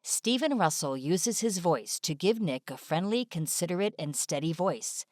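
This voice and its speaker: Casting: female explainer narrator, slightly deep, scripted informational read, dry studio voice-over. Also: lively intonation, moderate pace, no echo, soft background music.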